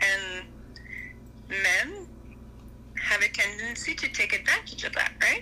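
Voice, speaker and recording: Long, frequent pauses, very even loudness, and noticeable background noise. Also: woman, fairly slow pace. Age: 50s. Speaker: caller. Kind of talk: casual chat.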